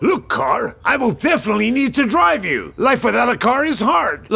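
A man puts on a character voice with an extremely high pitch. He speaks at a moderate pace. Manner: exasperated, fussy.

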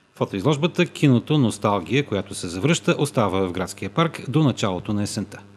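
With hardly any pauses, a man talks at a moderate pace in a fairly low pitch, his voice making very wide pitch swings. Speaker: news reporter. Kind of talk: news reading.

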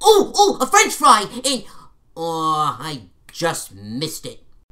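A man's put-on character voice, high-pitched for a man, at a fairly slow pace. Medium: voice reel. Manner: excitable.

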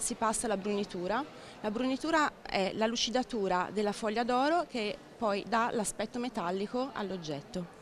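With a Lombard accent, a woman speaks at a moderate pace and a fairly high pitch with lively intonation, the sound dry with no echo and light noise behind her. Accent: non-Tuscan northern Italian (Lombard). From Lombardy, Pavia; Lombardy. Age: young. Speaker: art restorer and painter. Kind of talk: interview. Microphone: handheld.

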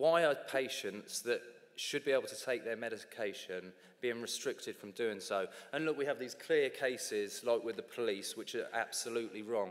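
Over a quiet background, a man with a British accent talks at a moderate pace. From UK. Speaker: cannabis business owner; panelist. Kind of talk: conference panel discussion. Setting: stage with audience. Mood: earnest, indignant. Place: hall. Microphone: podium.

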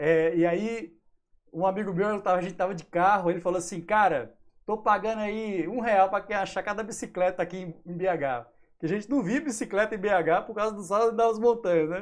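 Speaking with a northeastern Brazilian accent, a man uses a high pitch, ordinary pitch variation and an animated tone. He keeps a moderate pace over a quiet background. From Natal, Rio Grande do Norte, Brazil; Rio Grande do Norte, Brazil. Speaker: programming teacher and YouTuber; livestream programming teacher. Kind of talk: live coding tutorial; live tutorial and chat with viewers. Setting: live stream. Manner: casual and animated. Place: home room.

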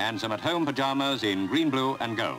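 Music in the background behind a man with a British accent, fairly high-pitched, lively in intonation, at a moderate pace. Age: recorded 1956. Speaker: newsreel narrator. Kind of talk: vintage newsreel narration. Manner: jaunty, brisk.

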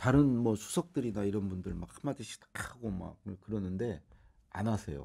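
A man's fairly low, dark, mellow voice at a moderate pace, with lively intonation and a quiet background. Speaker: writer, former presidential speechwriter. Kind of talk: talk show conversation. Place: studio. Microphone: studio mic.

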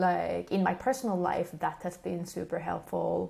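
A woman speaks with a Swedish accent. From Sweden, Stockholm; Sweden. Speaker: illustrator; podcast guest. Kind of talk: interview. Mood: reflective, relaxed. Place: home room. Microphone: studio mic.

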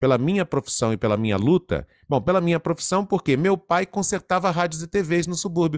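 A man with a Brazilian accent, high-pitched, with lively intonation, in a very clean recording with a silent background and a dry, close sound with no echo. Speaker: journalist and radio broadcaster. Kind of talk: interview.

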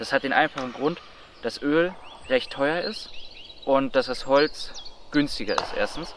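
Against noticeable background noise, a man speaks at a moderate pace in a dry sound with no echo. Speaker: firewood vlogger. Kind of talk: explanatory vlog talk. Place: forest.

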